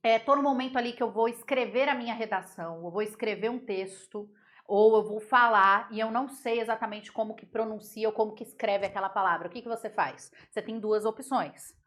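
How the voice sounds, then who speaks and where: A woman teaching a Portuguese grammar lesson, playful and laughing at common mispronunciations, repeating words slowly to drill them. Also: a little high, a bit bright.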